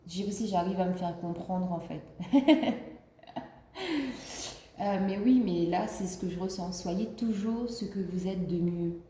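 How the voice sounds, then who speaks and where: Woman w/ the flu doing a card reading, lowish voice, lots of ums and restarts. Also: unhurried, mellow, reverberant, slight background noise. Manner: rambling, many fillers and restarts. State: has the flu. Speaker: card reader. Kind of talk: casual spiritual card reading.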